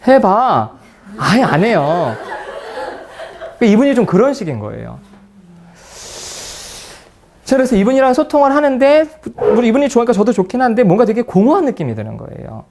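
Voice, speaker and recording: Middle-aged guy lecturing on psych, super lively up and down voice, acts out the convos. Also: very high voice, fast, creaky, long pauses, a little hiss or hum. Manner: animated storytelling, acting out dialogue in quotes. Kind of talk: lecture with anecdotes.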